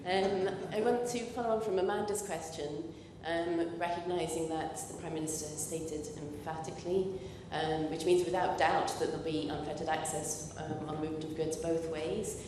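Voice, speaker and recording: Low-voiced woman asking from a roomy hall. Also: steady tone, background noise. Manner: measured, frequent "um" fillers. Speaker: audience questioner. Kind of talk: question from the floor. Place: lecture hall audience.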